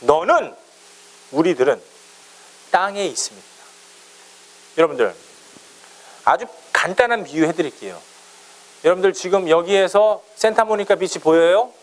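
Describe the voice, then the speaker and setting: Animated, high-voiced male pastor preaching. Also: normal speed, pauses often. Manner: lively, playful preaching, teasing listeners by name. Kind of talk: sermon.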